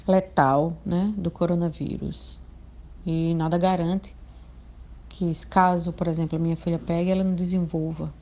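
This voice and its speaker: Low, mellow-voiced Brazilian woman. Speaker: interviewed parent. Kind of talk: spontaneous explanation.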